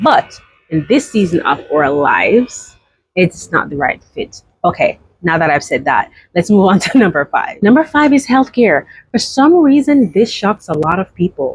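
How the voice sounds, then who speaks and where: In a Jamaican accent, a woman speaks in an animated tone, somewhat breathy, with very wide pitch swings. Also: medium pitch for a woman, moderate pace. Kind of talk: casual talk to camera. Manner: chatty, animated.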